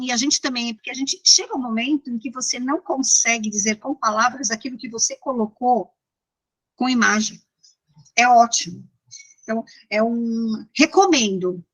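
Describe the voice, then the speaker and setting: Higher-voiced São Paulo Brazilian woman lecturer. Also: fairly even intonation, moderate pace, a bit bright, rough recording. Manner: didactic, conversational, checks in with listeners. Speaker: university lecturer. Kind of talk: informal interactive lecture.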